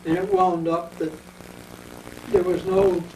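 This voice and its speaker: A man in his eighties with an American accent, telling his war memories at length in an oral history interview, wandering and pausing as he remembers. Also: high-pitched, level tone, darkish tone, a little hiss or hum. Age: 80s. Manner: rambling reminiscing storyteller. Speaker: veteran interviewee. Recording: echoey room, mic at a distance.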